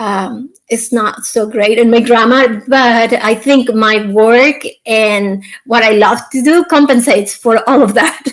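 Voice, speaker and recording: A woman with a Mexican accent talks at a fairly slow pace, her fairly high pitch carried in fairly even intonation. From Mexico (Mexico City, Tijuana). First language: Spanish. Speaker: fashion designer. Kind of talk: interview. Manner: halting, many repetitions and fillers.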